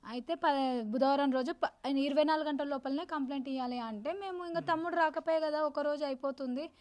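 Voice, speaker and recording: A woman speaks in a high voice. She talks fast and insistently and circles back over her own words, giving interview testimony. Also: a little mellow. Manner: rapid, insistent, repeats herself. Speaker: victim's sister interviewed.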